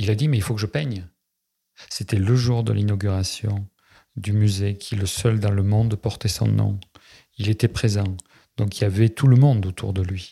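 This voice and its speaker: Over a very clean recording with a silent background, a man speaks at a moderate pace with a fairly low pitch, a dark, mellow tone, a somewhat breathy quality, ordinary pitch variation, and long, frequent pauses. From France, Rodez (Aveyron). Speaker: tour guide and storyteller. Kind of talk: interview. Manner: animated; hesitant, with repetitions.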